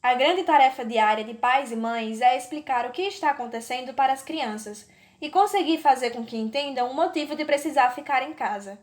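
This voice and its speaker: A woman's voice: high-pitched, fairly quick. A woman with a Brazilian accent reading scripted narration as a podcast reporter.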